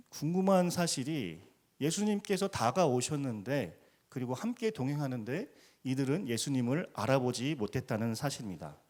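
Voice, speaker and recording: A man's voice: medium pitch, darkish tone. A man preaching a sermon as a missionary in a church, earnest, acting out quoted cries with rising emphasis. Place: church sanctuary.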